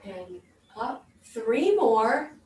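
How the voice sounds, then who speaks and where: Woman, fitness instructor, higher-pitched voice, step-by-step exercise cues, counting, distant microphone, roomy sound. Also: big pitch swings, drawn-out words, darkish tone. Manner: clear step-by-step cueing.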